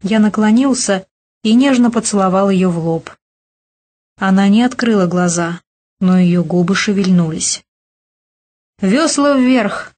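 A woman reading a novel aloud as an audiobook narrator, steady and measured. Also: medium pitch. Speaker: audiobook reader. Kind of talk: scripted narration.

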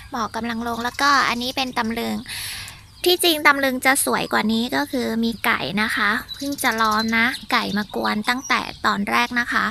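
A woman's voice: on the high side, steady tone, brisk, creaky, pushed and bright, slight background noise. A woman with an Isan accent giving a chatty walking tour of her vegetable garden, exclaiming and talking straight to her viewers.

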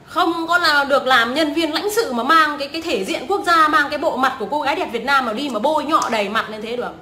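A woman's voice: sits high, fast, sharp tone, slight background noise. A young woman, ranting scornfully and swearing often as a vlogger. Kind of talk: profane ranting commentary. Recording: echoey room.

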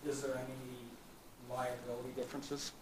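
A man's voice: medium pitch, completely flat delivery, normal speed, noisy background. A man in the audience, an architect, asking the panel questions with self-deprecating chuckles.

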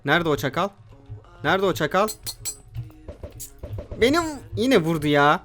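A young man hosting his gaming channel, giving excitable let's play commentary and shouting at opponents. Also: fairly high pitch, unhurried, soft background music.

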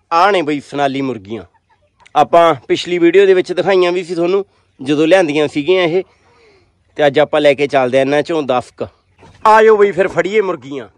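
A man's voice: fairly high pitch, dry recording. A man chatting casually as he films a vlog at a poultry farm. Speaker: vlogger filming a poultry farm visit. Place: open-sided brick poultry shed and yard. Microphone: handheld phone, behind the camera. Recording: birds clucking, outdoor farm noise. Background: chickens clucking, roosters.

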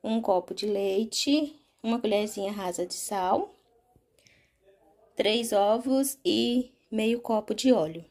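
A Brazilian woman talks through a home recipe in an informal, chatty style. Her voice sits at a medium pitch. She keeps turning to her listeners with little check-in questions as she explains. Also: takes it slowly, a little mellow. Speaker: home cooking vlogger. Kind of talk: casual recipe narration.

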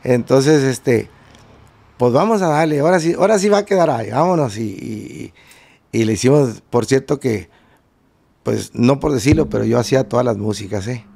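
A man speaks in a gravelly, slightly creaky voice at a mid pitch. He is a guest musician telling long anecdotes, looping back with fillers and restarts as he goes. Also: lively intonation, normal speed, warm tone. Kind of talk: casual interview storytelling.

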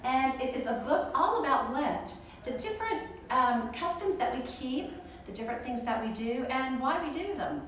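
An older woman hosting a children's story time, speaking in a gentle, deliberate way for young listeners. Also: high-pitched, lively intonation, a little hiss or hum. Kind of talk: children's story time, picture book read-aloud. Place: furnished room in a church building.

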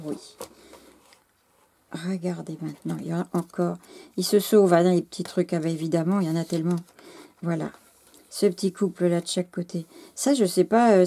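A French woman shows off a handmade gift in casual chat to camera, gushing and stumbling over her words. Her voice is low and gravelly, with a husky, mellow edge, and it is giving out on her. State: losing her voice. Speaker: scrapbooking channel host.

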